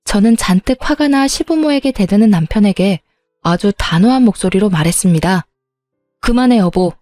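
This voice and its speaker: Calm woman narrating a family drama. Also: medium pitch, brisk, no room sound, faint music behind. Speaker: storyteller.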